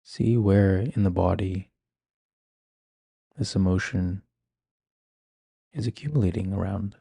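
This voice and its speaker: A man leading a guided meditation in a calm, gentle, measured manner. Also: deep voice, gravelly, slightly rough, no room sound. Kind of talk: guided meditation, ASMR-like instruction.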